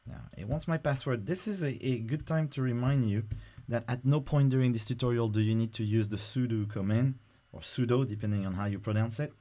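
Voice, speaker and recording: A man talking through a software install on screen in a casual, explanatory way, with frequent fillers. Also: medium pitch, a little fast, few pauses. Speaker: software tutorial presenter. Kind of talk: screen-recorded software tutorial.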